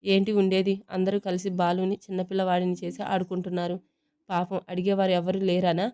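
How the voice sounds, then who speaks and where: A woman's voice: fairly low pitch, monotone, fairly quick, dark tone, clear, resonant tone, lightly acted. A woman voicing a caring young wife who speaks firmly and protectively. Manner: firm and caring.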